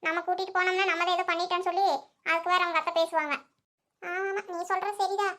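A woman's voice: very high-pitched, little pitch movement, fast, pushed and bright. A woman voicing chatty village women in a cartoon, fussing, gossiping and scolding. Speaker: cartoon character.

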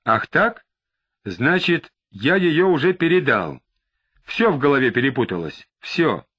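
A man's voice: medium pitch, big pitch swings, a little slow, fairly bright tone, breathy edge, lo-fi sound, heavily acted. A man reading an audiobook, voicing a tearful, panicky middle-aged male suspect who talks in an agitated, sniveling way. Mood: fretful.

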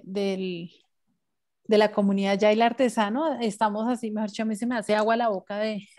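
Mellow-voiced woman hosting a call. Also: medium pitch. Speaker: host, moderator. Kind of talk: hosting a video call talk. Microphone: headphones on video call.

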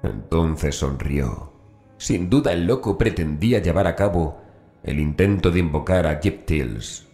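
A man's voice: rumbling low, animated, measured pace, dark tone. A man narrating a scripted horror story as an audiobook narrator, with music behind him. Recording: voice over background music.

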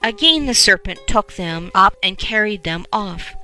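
A woman reads a folk tale aloud in measured storytelling narration. Her pace is very slow and her tone bright. Faint music plays behind her. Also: mid-range voice, animated, rough recording.

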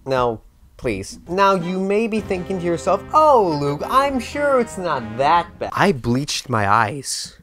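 A young man talks to camera as a comedic YouTube host. His pitch jumps around a lot, with exaggerated, mock-dramatic asides. Soft music plays faintly behind him. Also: very animated, takes it slowly. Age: young adult. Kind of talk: comedic scripted commentary to camera. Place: indoor room with bare wall.

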